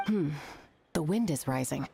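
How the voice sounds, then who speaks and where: A woman voicing a calm, self-assured warrior scout in a game. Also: deep voice, unhurried, gravelly, a little hiss or hum, full character voice. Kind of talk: game voice acting.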